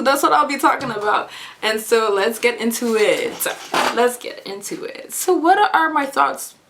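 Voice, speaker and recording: A woman's voice: fairly high pitch, a bit bright, slight background noise. A young woman vlogging to camera in a casual, earnest way, often laughing and repeating her phrases.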